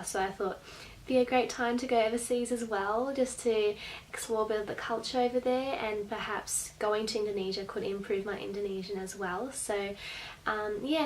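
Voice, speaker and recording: A woman's voice: mid-range voice, poor audio. A young woman with an Australian accent, explaining things casually to camera as a vlogger in a bedroom. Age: late teens to young adult. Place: small bedroom indoors. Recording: faint background room noise.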